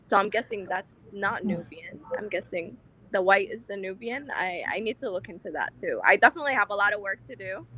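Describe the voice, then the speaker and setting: A woman with a bright, sharp voice at a middle pitch answers as a panel guest. She talks in a casual, chatty way, with "um"s and frequent restarts as she corrects herself. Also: animated, brisk, a little hiss or hum, poor audio.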